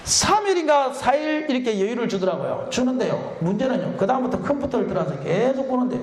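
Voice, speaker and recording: Animated high-voiced pastor in echoey church. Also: male voice, fast. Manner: animated storytelling with laughter. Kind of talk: revival sermon. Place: church sanctuary.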